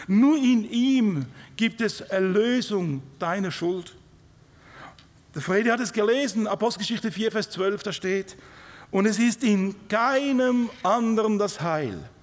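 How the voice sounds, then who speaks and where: High-voiced preacher in a reverberant hall. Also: male voice. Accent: Swiss German. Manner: emphatic, asks the congregation questions. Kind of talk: sermon. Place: large church hall. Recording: live recording in a reverberant hall.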